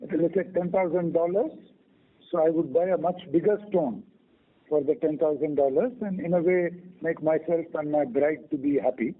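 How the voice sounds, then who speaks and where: A tinny telephone line carries a man with an Indian accent and a fairly high voice. He is a company executive explaining things on a business call. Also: normal speed. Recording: tinny narrow phone line.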